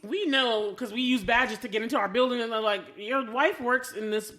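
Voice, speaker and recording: An American woman co-hosting a podcast, chatting casually about a film in an animated storytelling way and acting out reactions as she goes. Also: a little high, moderate pace. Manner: animated storytelling, acts out reactions in quoted asides. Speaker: podcast co-host. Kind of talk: casual film review chat.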